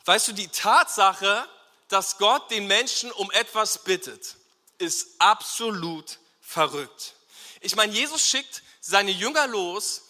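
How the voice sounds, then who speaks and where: A man preaching a lively sermon to a congregation, acting out short quoted exchanges and asking the audience to repeat words. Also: sits high, in a large hall. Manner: acts out Jesus and bystanders in quick quoted asides. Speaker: pastor.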